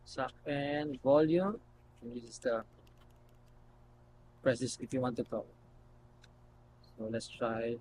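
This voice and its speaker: A man hosting a casual unboxing video, talking haltingly as he thinks aloud while handling things. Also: medium pitch, background noise. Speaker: video host.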